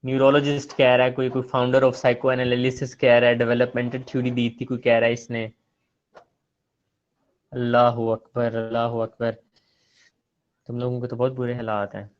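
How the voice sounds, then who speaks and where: A man's voice: medium pitch, little pitch movement, a little fast, few pauses, highs cut off. A man giving an online class lecture, chiding and teasing his students.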